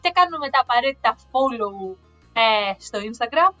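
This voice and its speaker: High, bright-voiced woman telling animated stories. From Greece. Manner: animated storyteller, laughs often. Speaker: podcast co-host. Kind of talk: casual chat. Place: living in the United States. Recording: slightly dull lo-fi sound with faint music.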